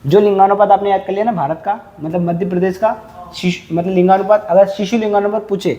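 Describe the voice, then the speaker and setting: High-voiced guy teaching a classroom, mellow tone, keeps quizzing the kids and repeating numbers. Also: steady tone, fast. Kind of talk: classroom lecture. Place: classroom with students.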